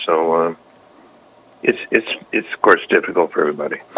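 A man's moderately paced speech comes through with noticeable background noise. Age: 80s+. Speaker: professor. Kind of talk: radio interview. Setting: at home.

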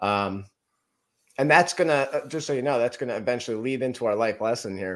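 A man speaks at medium pitch with a normal speaking voice. The recording is very clean, with a silent background. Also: ordinary pitch variation, fairly quick pace. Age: young. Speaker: podcast co-host. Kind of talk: casual chat.

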